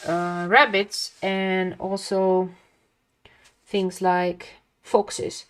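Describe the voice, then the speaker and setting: A young woman with a calming, mid-pitched voice. She talks in a casual, chatty way to viewers of her drawing livestream and often addresses them directly. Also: extremely slow, smooth. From lives near a big Dutch city. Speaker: art livestream host. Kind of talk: casual chat while drawing.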